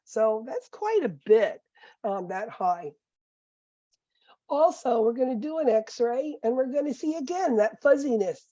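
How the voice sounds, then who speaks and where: A middle-aged nursing professor with a squeaky voice, giving a conversational recorded lecture full of fillers and asides. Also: female voice, lively intonation, measured pace, dark tone, no echo. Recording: dull, muffled lecture recording.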